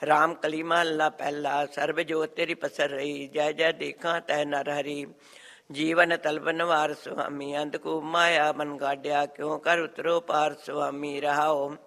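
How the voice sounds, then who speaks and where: A man recites sacred verse at an unhurried pace, his fairly high voice held in a narrow, even line. Each phrase rings out into a long reverberant hall. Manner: measured, flat chanting cadence. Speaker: scripture reciter.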